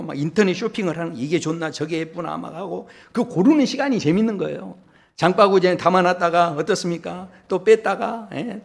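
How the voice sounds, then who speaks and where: A man's voice: sits high, creaky. A man preaching a sermon as pastor, telling a story lightly with laughs and acted quotes. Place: church sanctuary.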